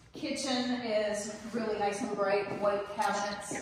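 Strong room echo and light background noise surround a voice that moves at a fairly slow pace with fairly even intonation. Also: woman. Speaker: real estate agent or home builder guide. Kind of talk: walkthrough tour commentary. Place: home room.

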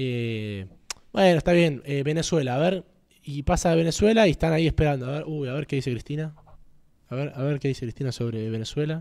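A man at a fairly quick pace, with ordinary pitch variation, over a quiet background. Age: 20s. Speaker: political scientist; podcast guest or host. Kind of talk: casual political chat. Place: studio. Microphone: studio mic.

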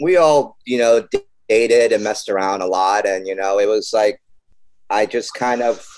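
Ordinary pitch variation and a medium pitch mark a man speaking at a moderate pace in a dry sound with no echo. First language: Spanish. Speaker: actor and former pro skateboarder; podcast guest. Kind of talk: casual chat. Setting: video call. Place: home room. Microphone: webcam.

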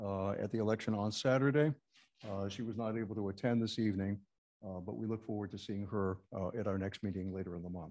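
Over a quiet background, a man speaks at a very fast pace. His fairly low voice has a dark, mellow tone and fairly even intonation. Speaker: council chair. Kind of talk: formal meeting remarks. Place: meeting room.

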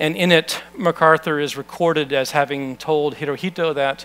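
Speaking at a moderate pace, a man keeps his intonation fairly even. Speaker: panel moderator, journalist. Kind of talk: moderated panel discussion. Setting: conference stage with audience, head microphone. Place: hall. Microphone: headset.

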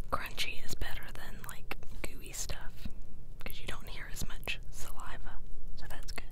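The speaker whispers at a fairly slow pace. Long, frequent pauses run throughout. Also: woman. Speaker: mom cooking breakfast. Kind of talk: casual talk to camera. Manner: whispered, soft. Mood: wry, amused. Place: studio. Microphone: studio mic.

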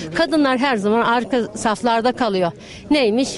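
Over light background noise, a woman with a fairly high pitch talks at a fairly quick pace with lively intonation, the sound dry with no echo. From Hançalar, Çal, Denizli, Turkey; Turkey. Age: 60s. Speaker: poet and housewife; poet. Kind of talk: vox pop interview; interview answer. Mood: proud, earnest. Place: street.

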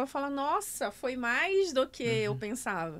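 In a high-pitched voice, this woman talks at a fairly quick pace. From Brazil, interior of Pará. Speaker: podcast host, physician specializing in nutrition and weight loss; podcast host. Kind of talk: casual interview chat. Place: studio. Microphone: studio mic.

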